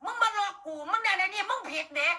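A woman's voice: extremely high pitch, rapid-fire, pushed and bright. An older woman with an Isan accent, hosting a talk show and ranting bluntly and crudely about politics to her viewers, swearing often.

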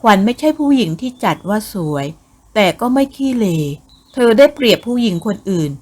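A woman narrating a Thai ghost novel as an audiobook, with a measured, expressive reading. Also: on the high side.

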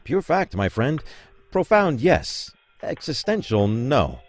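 An actor playing a glib, breezy, corny hospital doctor in a comedic audio sketch. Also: male voice, medium pitch, sing-song, slow, no echo. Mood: earnest, upbeat.

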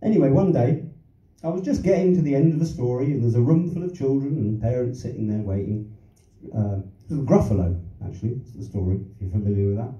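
A man's voice: medium pitch, quick pace, warm tone. An older man from London doing a stand-up routine on a small theatre stage, rambling through anecdotes with self-deprecating asides and chuckles. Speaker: stand-up comedian. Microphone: handheld mic, filmed from the audience. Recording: roomy, distant, dull audience recording.

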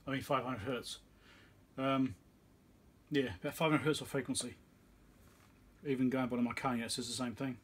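A man's voice: mid-range voice, fairly even intonation, normal speed, pauses often, husky. A man giving casual bench commentary as he works, thinking aloud in an offhand, muttering way like a repair technician. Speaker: electronics repair technician and video host. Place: small cluttered indoor electronics workbench.

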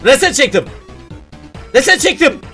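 A man giving playful, excitable let's-play commentary at his computer, often exclaiming and laughing as he talks to viewers. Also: extremely high pitch, moderate pace, faint music behind. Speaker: gaming YouTuber.

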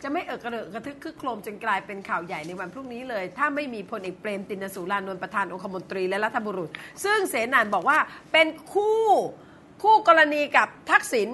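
A woman hosting a political talk show, talking in an animated, sarcastic way and laughing often. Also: medium pitch, quick pace, few pauses, slight background noise.

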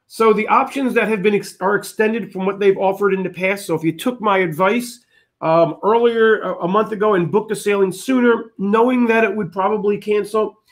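A man hosting a cruise travel channel, steadily reading out a long list of updates to his viewers. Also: high voice.

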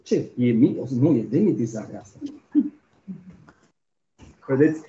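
Keynote lecturer, male, very dark mellow voice; storytelling delivery with rhetorical asides, roomy hall sound. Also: mid-range voice, expressive. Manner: storytelling with frequent rhetorical "nu?" tags. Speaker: keynote speaker. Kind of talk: academic lecture, retelling a story. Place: conference hall. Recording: roomy, dull lo-fi lecture recording.

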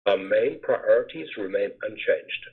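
A man in the role of a company finance executive reading a scripted earnings presentation in a formal, measured manner. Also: lowish voice, lively intonation, slightly rough. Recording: muffled phone-like conference call webcast audio.

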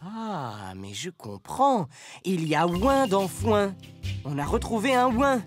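An excitable, theatrical character who dotes on his old toy duck, played by a man, drawling his lines slowly while his pitch leaps up and down. The comic lesson sketch has music running steadily behind the voice. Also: heavily acted. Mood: playful. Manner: theatrical, with big swings of pitch between lines. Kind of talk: scripted comic French-sound lesson.

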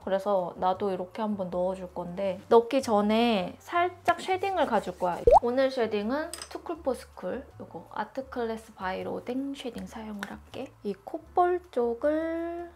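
A woman's voice: a little high, darkish tone, slight background noise. Chatty woman doing a makeup tutorial. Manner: chatty, informal, step-by-step explaining. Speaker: beauty YouTuber.

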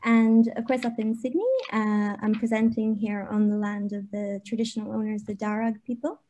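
A woman in her thirties from Ireland with an Irish accent, presenting her research on a video call in a measured way with frequent fillers. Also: medium pitch, flat delivery, dark tone. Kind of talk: webinar presentation. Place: home or office on a video call.

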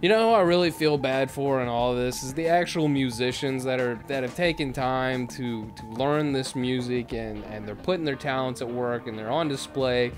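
A man's voice: medium pitch, normal speed, few pauses, music in the background. A man in his thirties giving casual, sarcastic reaction commentary into a desk microphone at home. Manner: sarcastic, animated. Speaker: YouTube commentator. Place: small home streaming room, indoors. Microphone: desk microphone on a boom arm.

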